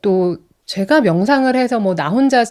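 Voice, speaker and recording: A woman speaks with very wide pitch swings. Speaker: talk show host. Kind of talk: casual conversation.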